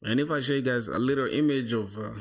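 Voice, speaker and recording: A man's voice: mid-range voice, quick pace, highs cut off. A young man from South Sudan whose first language is Shilluk, casually thinking aloud and chatting with viewers while he codes, calling them "bro" often. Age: young adult. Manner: relaxed, thinks aloud, says "bro" a lot. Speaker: livestreaming programmer. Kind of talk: casual coding livestream chat.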